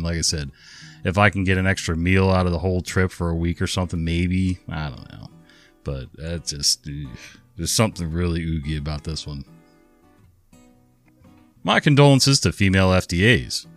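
A man's voice: sits low, fairly bright tone. A middle-aged man narrating online stories and commenting on them in a laid-back, rambling, blunt way. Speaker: story narrator and channel host. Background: faint guitar music.

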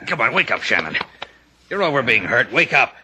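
A man playing a brisk, commanding undercover government agent in a 1950s radio drama, with clipped, insistent delivery. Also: mid-range voice, big pitch swings, bright, forceful tone, slight background noise. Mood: urgent, apologetic.

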